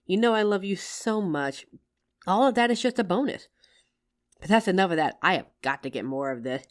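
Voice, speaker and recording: A woman's voice: on the low side, normal speed, close to an everyday voice. A woman playing a loving, teasing working wife, tired after work, in an affectionate roleplay addressed to the listener. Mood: playful, contented. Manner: affectionate, playful, expressive.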